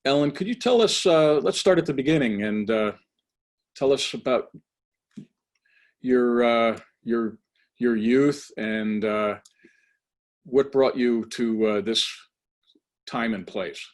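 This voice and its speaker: A man hosting an interview who introduces his guest in a halting way, pausing often. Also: mid-range voice. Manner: halting, with many pauses. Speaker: host.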